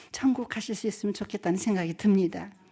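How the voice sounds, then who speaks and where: A woman's fairly high, somewhat breathy voice carries a dark, mellow tone. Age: 80s+. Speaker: church elder giving testimony. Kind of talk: testimony. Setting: church.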